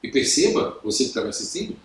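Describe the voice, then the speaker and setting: A Brazilian man coaching business owners to camera, talking calmly and acting out both sides of workplace conversations. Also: mid-range voice, fast talker, far from the mic. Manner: acts out both sides of dialogues; calm, even tone. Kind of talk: instructional talk to camera. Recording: very echoey room.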